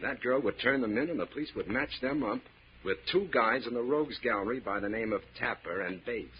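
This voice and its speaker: A man's voice: mid-range voice, a little fast, close to an everyday voice. An actor playing a ruthless, bossy bank robber in an old radio drama, talking in clipped tough-guy slang with a commanding manner. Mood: calculating. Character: ruthless bossy male bank robber, hard-boiled crook. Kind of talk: 1940s-50s radio drama acting. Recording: muffled old radio recording, faint hiss.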